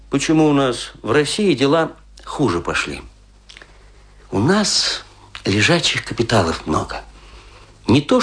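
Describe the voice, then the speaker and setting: A male actor playing a tipsy provincial man who rambles and muses smugly in a radio play, asking and answering his own questions. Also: mid-range voice. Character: tipsy, rambling Russian provincial philosophizing over drinks. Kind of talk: theatrical radio-play monologue.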